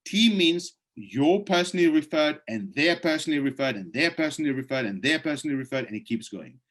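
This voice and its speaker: A man hosting a live presentation on a video call, reading out questions from the chat and answering them in a persuasive, urging way, with his voice going hoarse. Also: on the high side, lively intonation, a little fast, a bit bright. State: losing his voice.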